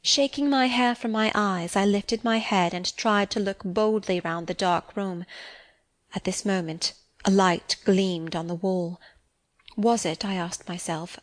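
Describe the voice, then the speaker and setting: A woman narrating a classic novel for an audiobook. Her reading is measured and expressive, and she slows down for suspenseful phrases. Her voice sits in a middle register. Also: medium pitch. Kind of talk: scripted narration.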